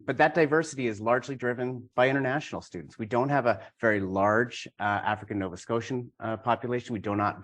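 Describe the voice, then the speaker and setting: A middle-aged university administrator, a man, giving a measured, matter-of-fact conference talk. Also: lowish voice.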